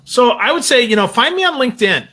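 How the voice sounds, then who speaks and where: A man chatting casually as a talk show guest, with blunt, emphatic, animated opinions. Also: very high-pitched, fast talker.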